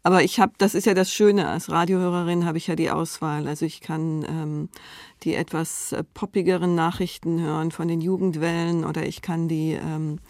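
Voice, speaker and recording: A woman's voice: low-pitched, flat delivery, normal speed, darkish tone, dry recording. A woman answering as an interview guest, giving her opinion in a considered, conversational way. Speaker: panel guest.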